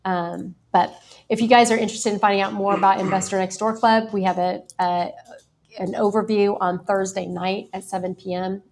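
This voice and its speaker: A woman's voice: mid-range voice, flat delivery, normal speed, a little mellow. A woman from Houston presenting at a business meetup, talking in a chatty way with lots of fillers and restarts. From Houston, Texas. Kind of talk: casual group talk, live streamed.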